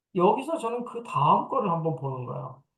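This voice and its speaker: A man's high voice rises and falls in lively intonation as he talks at a moderate pace. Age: 60s. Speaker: missionary. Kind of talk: lecture.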